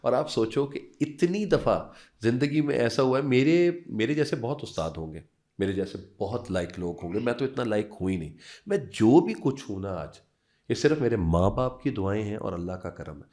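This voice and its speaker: A man's voice: mid-range voice, animated, a little mellow. A man from Pakistan in his fifties, a university lecturer telling personal stories as a podcast guest, mixing in English phrases. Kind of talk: anecdotal storytelling.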